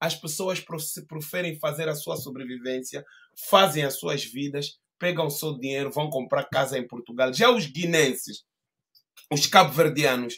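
A man's fairly high, bright, sharp voice at a fairly slow pace, with big swings in loudness. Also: ordinary pitch variation, quiet background. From Angola. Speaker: podcast host. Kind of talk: casual discussion. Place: home room. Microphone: studio mic.

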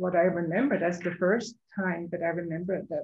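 A somewhat breathy woman with a German accent at a moderate pace. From Germany. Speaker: essayist. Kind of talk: panel discussion. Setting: video call. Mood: reflective, earnest. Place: home room. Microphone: video call.

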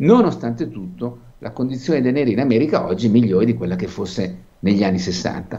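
At a fairly quick pace, a man speaks in a medium-pitched voice with a dark, mellow tone, vocal fry and lively intonation. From Italy. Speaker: political science professor and columnist; political science professor. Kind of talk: interview. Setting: remote video link. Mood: calm, reflective. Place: home room. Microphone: video call.

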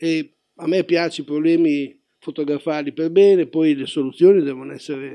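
This voice carries a dark, mellow tone. It moves along at a fairly slow pace. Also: man, quiet background. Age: 70s. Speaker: regional culture official; speaker. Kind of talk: panel presentation. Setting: book fair panel. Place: hall. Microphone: handheld.

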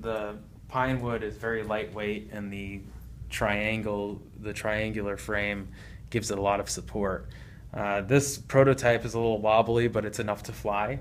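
A man speaks in an ordinary speaking voice with a fairly low pitch and fairly even intonation. His pace is moderate, and there is light background noise. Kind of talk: product demonstration. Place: classroom. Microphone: camera far.

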